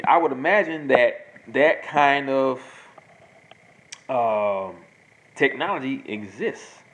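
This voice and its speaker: A man talking casually and rambling in a monologue, restarting sentences and filling pauses. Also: mid-range voice. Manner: rambling, repeats himself, many fillers. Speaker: host answering viewer questions. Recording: noisy home recording.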